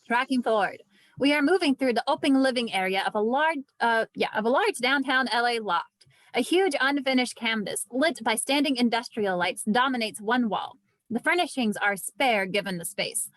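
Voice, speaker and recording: Script narrator: female, slightly high register, reads scene descriptions, very dry recording. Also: expressive, normal speed, a bit bright, no echo. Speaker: stage-direction narrator. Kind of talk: scripted narration at a table read.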